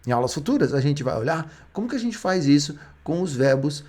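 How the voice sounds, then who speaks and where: Lively Brazilian man teaching English grammar. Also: on the high side, a little fast. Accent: Brazilian Portuguese. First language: Portuguese. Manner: explains step by step, with frequent restarts. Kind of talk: explaining grammar lesson.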